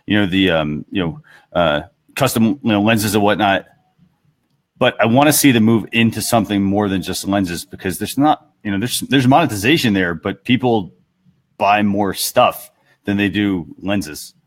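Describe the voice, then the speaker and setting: A man with a slightly low voice hosts a casual panel talk. He thinks aloud in a somewhat halting way. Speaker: talk show host.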